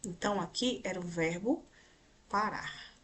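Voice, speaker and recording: A woman's voice: medium pitch, measured pace, fairly bright tone, slightly rough. A woman teacher with a Brazilian Portuguese accent, giving a grammar lesson in an explanatory way and pointing things out on slides while checking in with her students.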